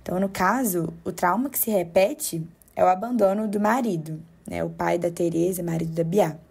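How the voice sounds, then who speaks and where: Breathy woman explaining calmly. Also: lowish voice. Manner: measured, explanatory, with frequent tag questions. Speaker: podcast co-host. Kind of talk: explanatory commentary.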